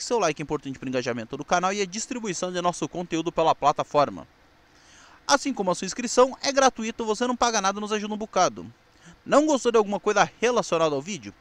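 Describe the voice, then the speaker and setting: A Brazilian man presenting his video channel in an old newsreel announcer style, enunciating deliberately. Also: high voice, a bit bright. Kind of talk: nostalgic radio-newsreel style video narration with scripted sign-off.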